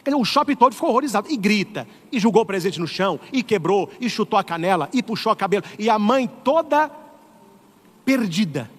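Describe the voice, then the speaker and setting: A middle-aged man with a Brazilian Portuguese accent, a priest preaching an animated, humorous sermon. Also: high-pitched, brisk, in a large hall. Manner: animated, humorous, acts out voices. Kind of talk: lively sermon.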